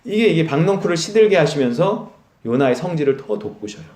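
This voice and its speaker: A man preaching a Sunday sermon with a lively, swinging voice that sits a little high. He tells stories and acts out dialogue with plenty of laughter. The sound carries the echo of a church hall. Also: fairly quick. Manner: animated storytelling, acts out quoted dialogue, laughs often. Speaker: pastor. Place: church sanctuary.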